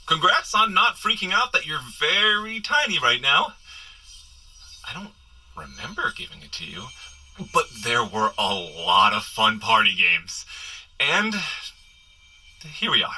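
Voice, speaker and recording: An actor playing a sheepish, wisecracking hungover superhero, chatting and rambling self-deprecatingly in a comedic audio drama. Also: male voice, fairly high pitch, sing-song, a little slow, pauses often, bright, forceful tone, breathy edge, exaggerated voice, poor audio.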